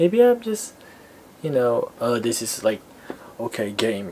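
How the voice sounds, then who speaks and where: Noticeable background noise runs under a man's voice. He talks at a fairly slow pace with long, frequent pauses. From Philippines. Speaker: vlogger. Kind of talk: casual chat, reading comments aloud. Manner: hesitant, filler-heavy.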